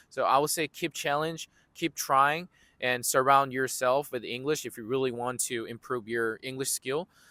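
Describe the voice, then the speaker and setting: A man with a Korean accent at medium pitch and moderate pace, bright and sharp in tone, fairly even in intonation, on a very clean recording with a silent background and a dry, close sound with no echo. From South Korea. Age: 20s. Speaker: university student. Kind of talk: interview.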